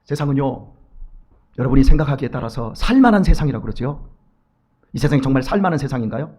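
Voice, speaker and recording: A male pastor preaching a sermon in a church, acting out quoted voices and swinging between loud urging and hushed asides. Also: mid-range voice, lively intonation, fast. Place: church sanctuary.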